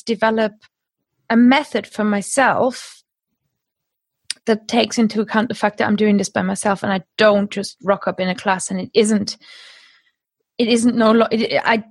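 A woman's voice: mid-range voice, husky, no echo. A woman in her thirties whose first language is German, chatting as a podcast guest, laughing often and restarting her phrases. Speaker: guest, language course creator. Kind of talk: conversational podcast interview.

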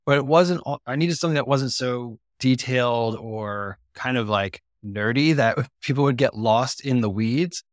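A man's voice: mid-range voice, moderate pace, hardly any pauses, no echo, clean studio sound. A man as a podcast guest, casually explaining a marketing tool with many fillers.

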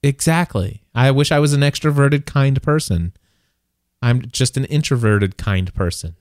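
A man's voice: medium pitch, normal speed, darkish tone, no echo, studio quality. An American man of forty-one chatting casually as a podcast co-host, with a bantering, self-deprecating manner. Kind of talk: casual chat.

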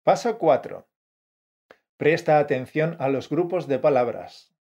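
A man co-hosting a scripted teaching podcast, brisk and coaching in tone. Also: fairly high pitch, animated, a little mellow, muffled recording. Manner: brisk, coaching, calls listener "campeón" and "fiera". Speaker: podcast co-host, Spanish teacher.

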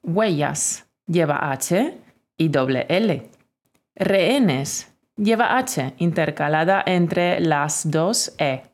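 Slow, lively-voiced woman teacher dictating. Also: sits low. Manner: clear, deliberate dictation. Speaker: Spanish teacher. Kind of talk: spelling dictation lesson.

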